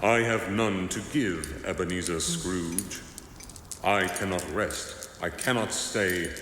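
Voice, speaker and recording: An actor playing a mournful, doom-laden ghost of a dead businessman in a slow, solemn radio drama style. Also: deep voice, fairly bright tone. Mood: anguished, lamenting. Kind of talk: theatrical radio drama acting. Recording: cavernous echo and reverb, background noise.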